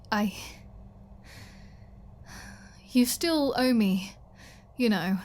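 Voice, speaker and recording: A woman playing a flirty, starving captive vampire in an ASMR roleplay, halting and teasing, with breathy asides and pleading. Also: medium pitch, darkish tone, lightly acted. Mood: haunted, pleading. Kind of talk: ASMR roleplay audio drama.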